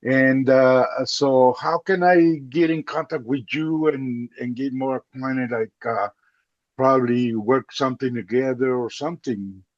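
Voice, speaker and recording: A man's voice: mid-range voice, steady tone, a little slow, no room sound. A man whose first language is Spanish calls in and speaks hesitantly, often stopping to search for words. His voice comes through as a dull, dry, lo-fi call-in recording. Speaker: caller.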